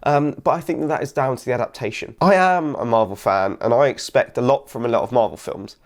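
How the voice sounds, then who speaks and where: A young man with a slightly raspy voice from a cold, casually reviewing a film and rambling with lots of fillers. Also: mid-range voice, fast. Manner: rambling, many ums and sort ofs.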